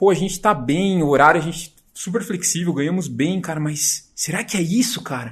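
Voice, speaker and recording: A man with a high-pitched voice speaks at a moderate pace against a quiet background. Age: 30s. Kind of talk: casual chat.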